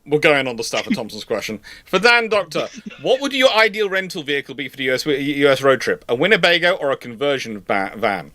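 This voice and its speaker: A man's voice: a little high, very animated, fairly quick, bright, forceful tone, no echo. A man hosting a casual live question-and-answer chat. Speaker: host.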